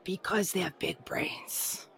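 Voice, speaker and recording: A woman playing a bumbling female zombie who talks in halting broken English. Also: a little high, lively intonation, creaky, full character voice, low-quality recording. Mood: awkward. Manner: halting, broken phrasing, sudden loud outbursts. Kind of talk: improv comedy sketch.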